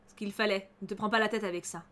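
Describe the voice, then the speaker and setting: A woman reading the lines of a protective young male vampire in a fantasy visual novel, in a calm, steady voice. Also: medium pitch, fast, noisy background, voice pushed down, lightly acted.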